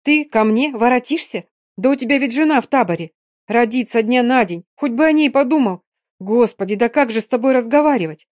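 A woman's voice: on the high side, expressive, brisk, dry recording, studio quality, pitched above the performer's own voice, natural voice. A woman reading a novel aloud, voicing a proud young Gypsy singer who speaks sharply and with passion. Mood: pleading distress. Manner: sharp, impassioned.

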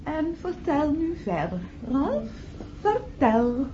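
An actress playing an excitable, gushing woman at a party in a radio play, insistent and theatrical. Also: high voice, takes it slowly, noisy background, heavily acted. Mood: rapturous. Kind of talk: Dutch radio play acting. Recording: dull old radio recording, crowd chatter.

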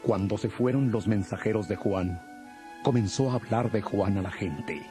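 A man with a husky voice giving solemn scripted narration for a dramatized audio Bible. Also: lowish voice, normal speed, over music. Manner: solemn storytelling.

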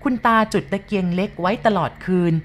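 A woman reading a first-person ghost story aloud in a dramatic, hushed storytelling manner. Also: medium pitch, brisk, slight background noise.

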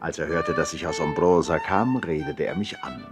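An actor playing a nobleman who narrates memories of his eccentric brother in a measured, wry storytelling manner, in a 1960s radio play. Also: very deep voice, over music. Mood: amused reminiscence.

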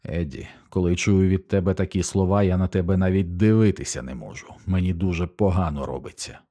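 A gruff, worn-down father speaks in a flat, toneless voice, read by a man. The voice is deep and dark. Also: fairly quick. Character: gruff, weak-willed working-class father.

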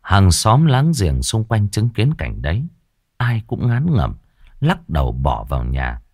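A man tells a ghost story with dramatic, lively inflection. His voice sits low, and the recording is close and dry. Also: a little slow, breathy edge, dry recording. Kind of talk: scripted ghost story narration.

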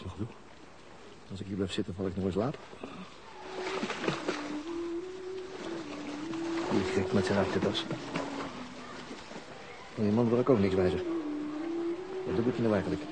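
An actor playing a dogged, reserved police detective in a radio play, with a terse, dry, probing manner. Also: male voice, fairly low pitch, normal speed, pauses often, lightly acted. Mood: grumbling. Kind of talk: Dutch radio play acting. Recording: radio play with clear background noise.

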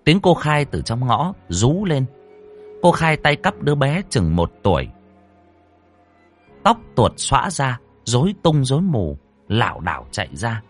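Expressive male storyteller. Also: mid-range voice, unhurried, faint music behind. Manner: expressive, dramatic reading. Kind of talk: horror story narration.

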